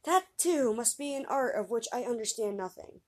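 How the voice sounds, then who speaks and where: A bold, simple young lad from a fairy tale, voiced by a woman reader, earnest and blunt in a raised, youthful pitch. He speaks plainly and stubbornly, with no fear in him. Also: lively intonation, moderate pace, breathy edge.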